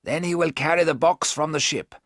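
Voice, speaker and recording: A man reading aloud, voicing a wise older professor who explains his plans in a measured, firm way. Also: a little high, fairly bright tone, no echo, studio quality, voice pushed up.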